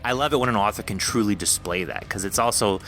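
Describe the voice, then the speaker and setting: A man's voice: fairly low pitch, fast talker, a bit bright, faint music behind. A man hosting a conversational author interview on a podcast, speaking in an effusive, encouraging way. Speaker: podcast host.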